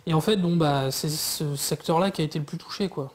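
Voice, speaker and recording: A man talking through politics in a casual discussion, pausing often with fillers and restarts. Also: fairly high pitch. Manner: hesitant, many fillers and restarts. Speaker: guest commentator.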